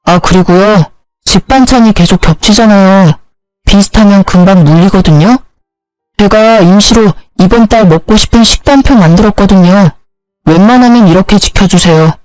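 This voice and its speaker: A woman's voice: medium pitch, normal speed, darkish tone, dry recording, faint music behind, close to an everyday voice, rough recording. A woman voicing a self-centered young husband who talks in curt, demanding scolds. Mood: bossy.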